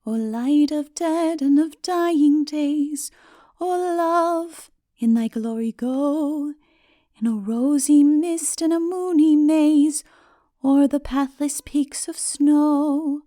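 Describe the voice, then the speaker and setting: A woman voicing a mysterious ancient woman who sings slow, solemn, tender verse in a fantasy audiobook. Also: sits high, warm tone, pitched above the performer's own voice. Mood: mournful, singing. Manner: drawn-out, melodic, solemn.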